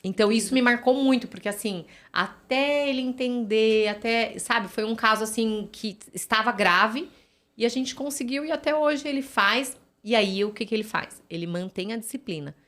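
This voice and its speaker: A woman's voice: fairly high pitch, moderate pace, fairly bright tone. A woman, a physiotherapist chatting as a podcast guest, storytelling with lots of fillers and tag questions. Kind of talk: casual podcast conversation.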